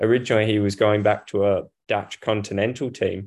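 In a flat monotone, a man talks at a moderate pace with a fairly low pitch. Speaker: professional road cyclist. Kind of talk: casual interview. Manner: articulate, well-spoken.

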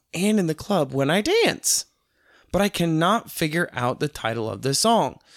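Speaking at a fairly slow pace, a man with a high pitch uses lively intonation, the sound dry and close with no echo on a very clean recording with a silent background. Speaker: podcast co-host. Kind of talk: casual banter. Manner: joking, chatty.

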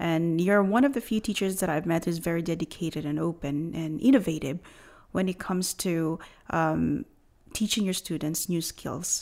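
A woman with an unremarkable speaking voice talks at a moderate pace and fairly low pitch with ordinary pitch variation. The recording is very clean, with a silent background. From immigrant to Canada. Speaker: podcast host. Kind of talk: interview.

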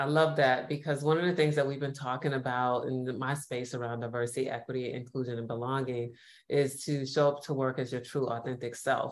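A woman with a New York accent speaks at a very deep, low pitch. Her intonation is flat and monotone, her pace fairly quick, with hardly any pauses. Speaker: podcast host and organizational consultant. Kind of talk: interview, casual professional chat.

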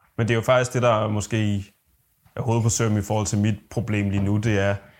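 Monotone, flat delivery at a moderate pace in a very clean recording with a silent background. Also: man. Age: 30s. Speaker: journalist and podcast host. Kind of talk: casual interview.

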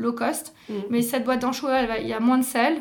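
Against audible room echo, a woman talks at a moderate pace with a high pitch and monotone, flat intonation. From France and Spain. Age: 40s. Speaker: artisanal food producer and entrepreneur. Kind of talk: interview. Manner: halting.

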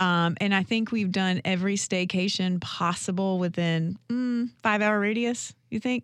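A woman's unremarkable speaking voice at a fairly slow pace, with hardly any pauses. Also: medium pitch for a woman, ordinary pitch variation, very even loudness. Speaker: co-host.

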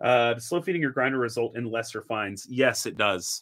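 A man speaks with a medium pitch. The recording is very clean, with a silent background. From Tennessee. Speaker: coffee youtuber. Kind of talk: live stream tutorial. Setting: live stream with chat. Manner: casual, filler-heavy.

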